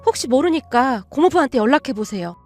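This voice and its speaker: A woman voicing a kind young sister-in-law who asks with gentle concern. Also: high-pitched, expressive, fairly quick, soft background music.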